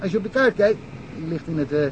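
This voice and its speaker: A wry, talkative small-town cop, played by a man rambles through old cases with a dry chuckle. His voice sits a little high, with a faint hiss behind it. It is a radio play. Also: expressive, quick pace, highs cut off, natural voice. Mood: amused, chatty. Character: chatty provincial cop, male, middle-aged, wry. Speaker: local police detective. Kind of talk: radio drama acting.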